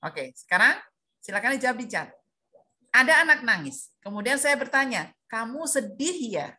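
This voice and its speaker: A woman's voice: a little high, very animated, moderate pace, sharp tone. A woman presenting an online workshop for preschool teachers over a video call, quizzing her audience and calling on participants by name. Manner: questioning, drills the audience, calls out participants by name.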